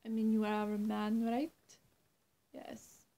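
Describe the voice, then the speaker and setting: Young woman, vampire roleplay, slightly high voice, creaky, halting, coaxing and menacing, whispery dips. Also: little pitch movement, mellow. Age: young adult. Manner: slow, halting, often dropping to a whisper. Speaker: roleplay performer. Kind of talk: in-character vampire roleplay to the listener. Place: small room indoors.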